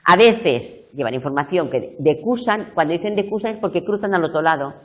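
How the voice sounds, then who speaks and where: Speaking a little fast, a middle-aged woman with a fairly low, expressive voice teaches a university tutorial by live video. She explains step by step and keeps checking in with her students. The audio is a muffled, lo-fi classroom recording.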